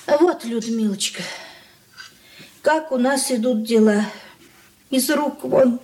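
A woman's voice: on the high side, slow pace, a little mellow. An actress playing a fussing, anxious middle-aged mother in a radio play. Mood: worried. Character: worried aging mother of a merchant family. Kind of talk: 1980s radio play acting. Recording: roomy with faint hiss.

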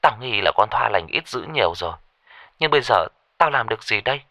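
A man's voice: lowish voice, lively intonation, fairly quick, bright, forceful tone, dry recording. A man voicing a practical young woman who questions her frightened friend in a ghost story. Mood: concerned.

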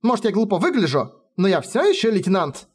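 A high, frantic young lieutenant girl, played by a man shrieks and begs in a voice that leaps all over. She is emotional and commanding by turns. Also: wildly swooping pitch, a little fast, breathy edge, heavily acted. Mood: pleading, bossy.

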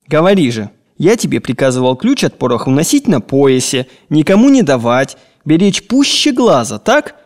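A man reading an audiobook, voicing a grumbling, tyrannical old gentleman with a nagging, theatrical way of talking. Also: on the high side, very animated, normal speed, hardly any pauses. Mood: interrogating.

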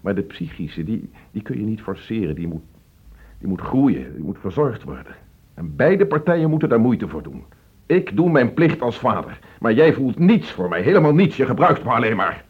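A man acting a frustrated divorced father in a Dutch radio play, reproachful and emotional, halting when upset. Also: fairly low pitch, big pitch swings, slightly rough. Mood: angry, hurt. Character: frustrated divorced father pleading with his teenage son. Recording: dull, muffled old radio play recording.

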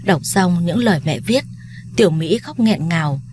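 A woman narrating a family drama story in a steady, somber scripted telling. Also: lowish voice, moderate pace, a little hiss or hum.

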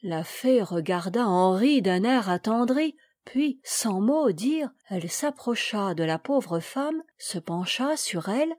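A woman reading a classic children's tale aloud in a measured, expressive storytelling manner. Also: mid-range voice, no echo. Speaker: reader.

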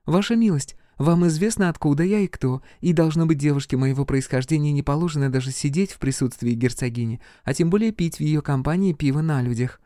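A man's voice: fairly high pitch, fairly quick, hardly any pauses, mellow, no echo, studio quality, pitched above the performer's own voice, close to an everyday voice. A male reader voicing a shy, polite young common-born girl, humble and respectful.

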